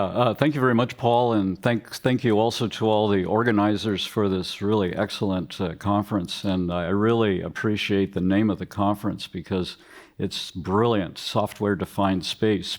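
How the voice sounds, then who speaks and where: An older man speaks as a panelist at a conference, his voice on the lower side. He talks in a courteous, measured way. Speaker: panelist, political scientist. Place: conference hall stage.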